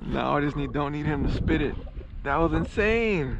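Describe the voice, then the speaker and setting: The sound is dry with no echo as a man speaks. Noticeable background noise runs underneath. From Texas. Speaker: fishing YouTuber. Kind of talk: casual vlog narration to camera. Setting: outdoors, fishing from a kayak. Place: boat. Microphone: phone near.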